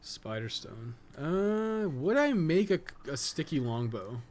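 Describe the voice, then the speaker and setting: A man's voice: a little high, sing-song, slow pace, a little mellow. A man giving casual live gameplay commentary, thinking aloud in a rambling way and swearing casually. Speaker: podcast co-host and game guide writer.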